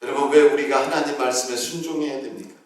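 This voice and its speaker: A middle-aged male pastor preaching a sermon, telling a story and acting out the shouts and prayers of its characters. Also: mid-range voice, fairly even intonation, fast. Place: church sanctuary. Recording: echoey church hall from a distance.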